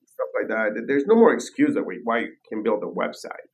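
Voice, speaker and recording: A man hosting a podcast interview, speaking in a quick, emphatic, enthusiastic way. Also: lowish voice, very animated. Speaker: podcast host. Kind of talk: casual interview chat.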